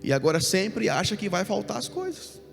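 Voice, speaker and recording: A man preaching a sermon as pastor, earnest, rushing through some phrases and slowing right down on others for emphasis. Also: sits high, sing-song, creaky, soft background music. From Brazil. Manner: earnest preaching, quick bursts then slow emphatic phrases. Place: church hall. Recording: church hall reverb.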